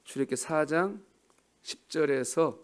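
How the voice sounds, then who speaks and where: A man preaching a sermon as pastor, swinging between soft murmurs and loud emphatic cries and putting questions to the congregation. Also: fairly high pitch, unhurried, smooth.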